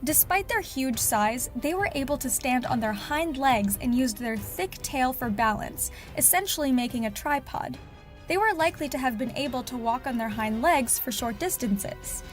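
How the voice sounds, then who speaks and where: A woman with a high-pitched voice narrates a scripted nature documentary. She presents as the host of an animal show, and music plays softly behind her. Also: expressive, moderate pace.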